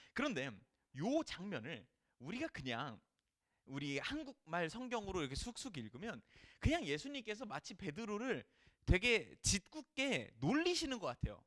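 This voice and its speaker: A young man, a junior pastor, preaching a sermon in lively storytelling style, acting out the dialogue in casual voices. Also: high voice, moderate pace, dry recording, clean studio sound.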